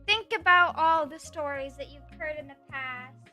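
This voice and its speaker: Woman streamer, high and bright, playful rambling chat over soft background music. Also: normal speed. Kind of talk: casual chat reading stream chat.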